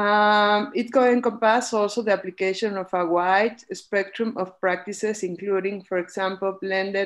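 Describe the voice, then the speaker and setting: Hardly pausing at all, a woman with a Spanish accent speaks with fairly even intonation. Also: quiet background. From Mexico. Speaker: university academic, panel moderator; panel moderator. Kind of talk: academic presentation. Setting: video call. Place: home room. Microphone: webcam.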